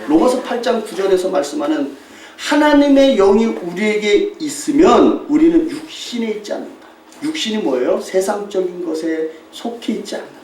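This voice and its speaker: A Korean pastor preaching a sermon with a mission report, telling stories with lively mimicry and frequent laughter. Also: male voice, high-pitched, normal speed, a little hiss or hum. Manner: animated storytelling, mimics shouting tourists, laughs often. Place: church sanctuary. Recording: echoey church hall, distant mic.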